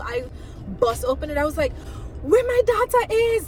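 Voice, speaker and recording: A woman with an American accent at a moderate pace, against noticeable background noise. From US Virgin Islands, Saint Thomas. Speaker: mom vlogger. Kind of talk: storytime vlog. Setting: in a car. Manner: animated.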